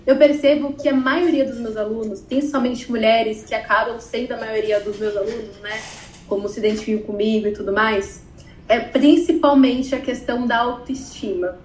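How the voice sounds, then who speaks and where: A woman being interviewed as a mentor of consultants, speaking in a thoughtful, unhurried way. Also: fairly high pitch, steady tone. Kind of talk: conversational interview. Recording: echoey room.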